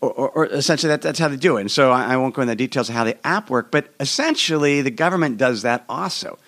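Hoarse man explaining, rambling. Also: medium pitch, animated, quick pace, a bit bright. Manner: rambling, repeats and restarts words. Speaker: podcast host. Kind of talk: solo explanatory podcast. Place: hotel room.

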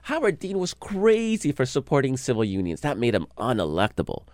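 A man's voice: mid-range voice, wildly swooping pitch, a little fast, darkish tone, no room sound, clean studio sound. A man from El Salvador, a guest and political blogger, talking earnestly in a casual political discussion, often restarting and repeating words.

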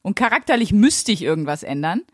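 A woman co-hosting a podcast, chatting casually as a lively storyteller with blunt, crude humor. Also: mid-range voice, fairly quick, slightly rough, no echo, studio quality. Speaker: podcast co-host. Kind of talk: casual chat.

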